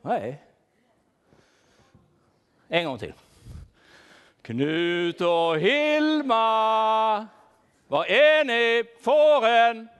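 A man's voice: high voice, long pauses. A man playing a worried shepherd who searches for his lost sheep, speaking with children in a church and asking them to help him look and call out names. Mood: searching, playful. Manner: animated, asks children questions, calls out names. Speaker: children's talk leader. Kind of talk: playful role-play for children.

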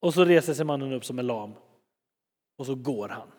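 A man preaching a sermon in a lively, chatty way, retelling stories and acting out scenes. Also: mid-range voice, in a large hall. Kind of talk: sermon, storytelling.

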